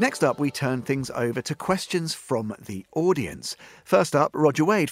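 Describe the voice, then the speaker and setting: With a plain, everyday voice, a man speaks at a moderate pace and fairly high pitch, his intonation lively, in a dry, close sound with no echo. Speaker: radio host. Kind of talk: radio presenter narration introducing highlights.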